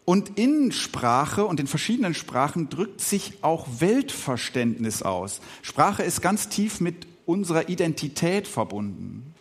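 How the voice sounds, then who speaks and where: A middle-aged man who grew up speaking Swiss German, giving a podcast sermon as a pastor. His voice sits a little high for a man and rises and falls a great deal. He talks reflectively, pausing often and filling gaps with soft hesitation sounds. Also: very animated, slightly rough. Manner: reflective, with pauses and filler sounds.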